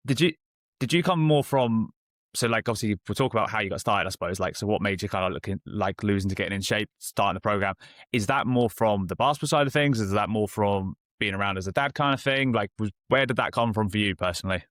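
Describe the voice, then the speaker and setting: A man's voice: on the low side, a bit bright, no echo, clean studio sound. A man hosting a casual interview as a coach, chatty with rambling questions. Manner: chatty, quick, friendly questions. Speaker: host and weight loss coach.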